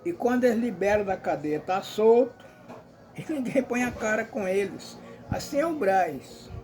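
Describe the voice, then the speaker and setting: High-voiced emphatic Brazilian man. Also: lively intonation, moderate pace, a little mellow. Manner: emphatic, repetitive, addresses listeners as "gente". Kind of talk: opinion commentary monologue.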